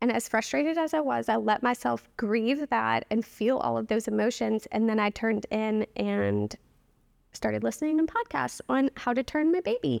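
With an American accent, a woman talks at a moderate pace and very even loudness, recorded with a dry, close sound, no echo and a quiet background. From US South, New Orleans. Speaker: salon client sharing health journey. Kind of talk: interview, personal story.

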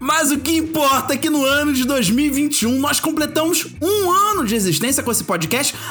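A man with an extremely high pitch speaks in a raised, projected voice at a moderate pace, with hardly any pauses and very even loudness. His tone is animated and his intonation lively, over noticeable background noise. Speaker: podcast host. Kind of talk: casual chat.

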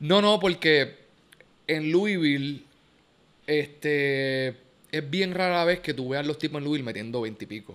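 A man with a Puerto Rican accent, fairly high-pitched, with ordinary pitch variation, a fairly slow pace, and long, frequent pauses. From Puerto Rico (San Juan, Guaynabo). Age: 30s. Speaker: professional basketball player. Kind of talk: casual interview.

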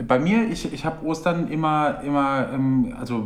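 A man is speaking. Audible room echo can be heard. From Germany, Heidelberg (Baden-Württemberg). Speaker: podcast co-host, photographer. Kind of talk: casual chat.

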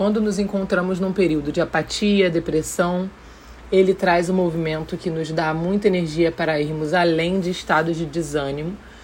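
A woman speaks in a fairly low pitch at a moderate pace, with fairly even intonation. Noticeable background noise can be heard. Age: 30s. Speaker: subscription box creator and astrology guide. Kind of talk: explanatory monologue.

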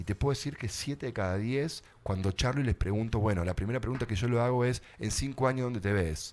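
A plain, everyday voice comes from a man with a fairly low pitch and ordinary pitch variation. The recording is very clean, with a silent background. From Argentina. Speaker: executive coach and author. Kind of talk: casual interview.

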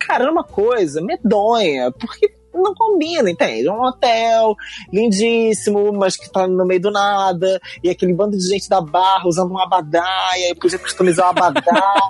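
With noticeable background noise, a man speaks at a moderate pace in a high pitch, his lively intonation caught in a dry, close sound with no echo. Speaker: podcast guest. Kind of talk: casual chat.

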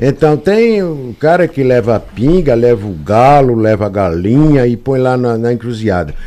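Hardly pausing, the speaker keeps a moderate pace in a dark, mellow tone with lively intonation. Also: man, medium pitch for a man. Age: 60s. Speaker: guest. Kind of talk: casual chat.

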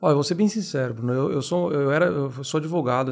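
This man speaks at a fairly quick clip with a normal speaking voice. His pitch sits in the medium range and varies in an ordinary way. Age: 40s. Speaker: former city councillor and lawyer. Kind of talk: casual interview.

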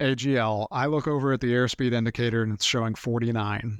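A man with an American accent talks at a fairly quick pace in a normal speaking voice, with ordinary pitch variation. The sound is dry and close with no echo, over a quiet background. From Kansas. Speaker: pilot examiner. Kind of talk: interview.

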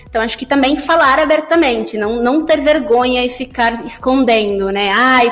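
A woman's high voice, with ordinary pitch variation, is heard through noticeable background noise. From Colombia, raised in Brazil from small child. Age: 20s. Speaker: product owner, former biotechnologist. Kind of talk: casual chat. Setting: podcast.

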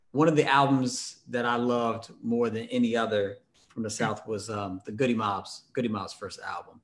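A man with medium pitch uses a plain, everyday voice at a moderate pace, with ordinary pitch variation. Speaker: podcast host. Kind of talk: casual chat. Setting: video call.

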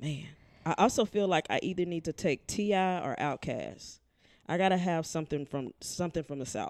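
With an ordinary speaking voice, a woman talks at a moderate pace and fairly low pitch, with ordinary pitch variation, in a very clean recording with a silent background. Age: 30s. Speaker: podcast co-host. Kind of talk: casual chat.

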